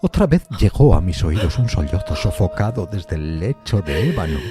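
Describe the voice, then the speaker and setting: A man playing a horror-struck widower in a gothic horror story, narrating theatrically and haltingly, with a husky voice. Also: deep voice, dark tone, exaggerated voice. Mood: anguished, shuddering. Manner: theatrical, halting, emphatic repetitions. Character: haunted, horror-struck widower recounting his wife's resurrection.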